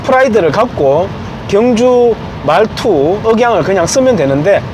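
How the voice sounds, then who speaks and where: A commentator from Gyeongju, South Korea, delivers an informal, emphatic opinion monologue, acting out the remarks he quotes. His voice is high with lively intonation, he talks at normal speed, and there's noise in the background.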